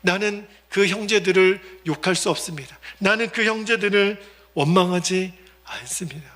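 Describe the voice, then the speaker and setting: A male pastor voicing an imprisoned elder who answers in a hushed, calm and firm whisper. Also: a little high, moderate pace. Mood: steadfast. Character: imprisoned male church elder, quietly steadfast.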